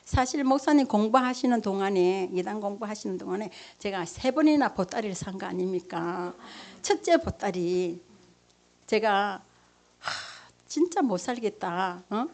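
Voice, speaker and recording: A woman's voice: mid-range voice, expressive, unhurried, a little mellow. A middle-aged woman, a pastor's wife, giving an emotional sermon testimony and acting out her own prayers and conversations.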